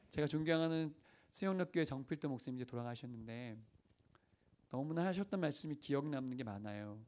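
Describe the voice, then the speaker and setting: A man's voice: medium pitch, darkish tone. A man preaching as senior pastor, telling stories earnestly and asking the congregation questions. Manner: earnest storytelling, acting out prayers and dialogue. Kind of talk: sermon.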